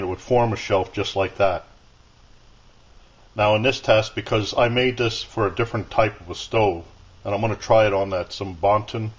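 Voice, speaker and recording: A man with a fairly low voice talks through a demonstration step by step in a plain, unhurried way. He is at a workbench in a home workshop, caught by the camera's own mic off screen. The sound is dull and lo-fi. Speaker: outdoor gear video maker. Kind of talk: casual hands-on demonstration.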